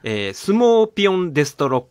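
A middle-aged man hosting a radio show, polite and attentive, with a lively, varied pitch. He steers the talk and reads out listener letters. His voice sounds close and dry in the studio. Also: quick pace, no echo. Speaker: radio host.

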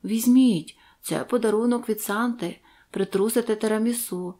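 A woman's voice: on the high side, normal speed, mellow, lightly acted. A woman voicing an insistent male elf shop seller in an audio fairy tale. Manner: pushy, eager.

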